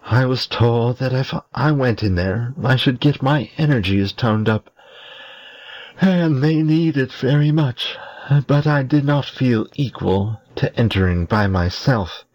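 A man voicing a lazy, languid young man who speaks slowly and listlessly, with a husky voice. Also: medium pitch, lively intonation, a little mellow, lo-fi sound, pitched above the performer's own voice, close to an everyday voice. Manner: slow, listless.

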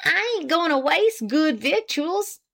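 A woman voicing a thin, shrewish, frugal old farm wife with a sharp, nagging rural drawl. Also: a little high, sing-song, slow pace, slight background noise, voice pushed up, exaggerated voice.

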